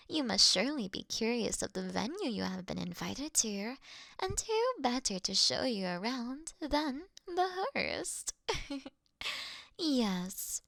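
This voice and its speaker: Woman doing a flirty predatory vampire queen, highish voice w some creak, slow n whispery, roleplay audio. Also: fairly bright tone, no room sound, clean studio sound, full character voice. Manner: breathy, often whispered, refined and unhurried. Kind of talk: intimate roleplay audio drama, ASMR-like.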